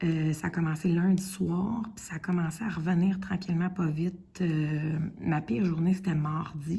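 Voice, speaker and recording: A woman with a Quebec accent speaks at a fairly slow pace. Her fairly low pitch holds a fairly even intonation. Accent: Québécois French. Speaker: diamond painting YouTuber and substitute teacher. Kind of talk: casual vlog chat. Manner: hesitant, many fillers.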